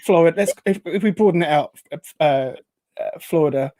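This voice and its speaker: A host from Essex, England, chats casually on a live show, rambling and hesitant while reading out comments upbeatly. The voice is medium-pitched, dark-toned, and fairly quick, with no echo.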